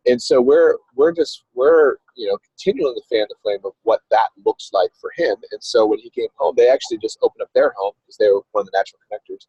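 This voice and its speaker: Husky man on a car speakerphone. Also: medium pitch, lively intonation, quick pace, few pauses, warm tone, dry recording. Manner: rambling, many restarts. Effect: car speakerphone on a call. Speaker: ministry coach. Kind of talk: casual conversational explaining. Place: driving in a car. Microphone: phone on a video call. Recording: dull, lo-fi call audio.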